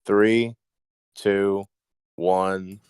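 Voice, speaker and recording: Low-voiced man, dry close sound. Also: little pitch movement, extremely slow, a little mellow, smooth, no echo. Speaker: host. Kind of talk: casual comedic commentary.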